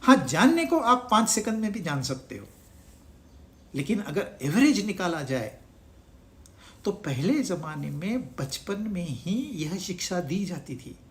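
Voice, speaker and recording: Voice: mid-range voice, big pitch swings, a little slow. A spiritual teacher giving a scripture discourse, asking the listeners rhetorical questions and mixing English words into the talk.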